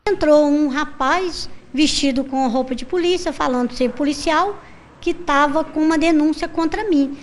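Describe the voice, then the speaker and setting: A woman's voice: sits high, moderate pace, slight background noise. A woman with a Brazilian accent, a robbery victim telling a news interviewer what happened, agitated and full of fillers. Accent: Brazilian Portuguese. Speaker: crime victim, shop owner.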